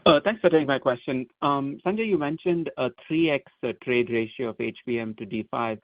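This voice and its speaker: Creaky male analyst on a phone line. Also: medium pitch, fairly quick, no echo. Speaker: analyst asking questions. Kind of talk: earnings call questioning. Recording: dry, narrow telephone line.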